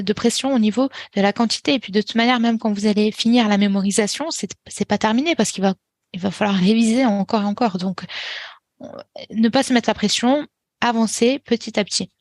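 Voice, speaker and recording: Calm woman teacher giving advice, dry sound. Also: a little high, a little fast, no room sound. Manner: calm and instructive, many small restarts and fillers. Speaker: Quran teacher. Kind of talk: podcast interview, giving advice.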